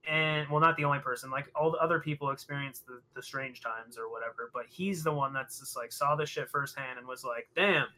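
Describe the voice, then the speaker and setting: A man's voice: mid-range voice, fairly even intonation, a little fast, hardly any pauses, bright, forceful tone, poor audio. A man chatting casually and informally as a co-host discussing a film, swearing freely. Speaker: podcast co-host reviewing a horror film. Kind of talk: casual chat.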